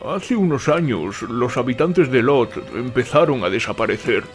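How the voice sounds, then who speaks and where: Actor as a grave, measured small-town local. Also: male voice, medium pitch, lively intonation, faint music behind, natural voice. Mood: grave, ominous. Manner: measured, ominous storytelling. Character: grave, steady small-town local man recounting dark history. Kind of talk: audio drama acting.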